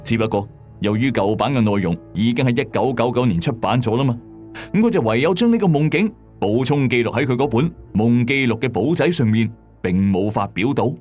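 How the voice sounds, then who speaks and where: A man's voice: medium pitch, lively intonation, fairly quick, darkish tone. A man with a Hong Kong Cantonese accent narrating a scripted story in a dramatic, suspenseful way with colloquial asides. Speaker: narrator and host of a late-night mystery story channel. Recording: voice over background music. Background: music bed.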